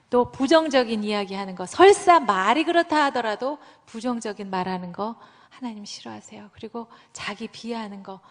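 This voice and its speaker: A woman preaching a sermon, telling stories with lively acted-out quoted voices. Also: fairly high pitch. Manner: animated storytelling, acting out quoted voices. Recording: long hall reverb.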